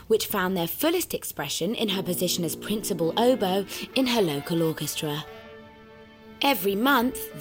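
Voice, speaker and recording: Soft calm narrator, a woman, lowish voice, music under it. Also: natural voice. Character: gentle female narrator called soft voice. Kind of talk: scripted comic narration. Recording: music playing behind.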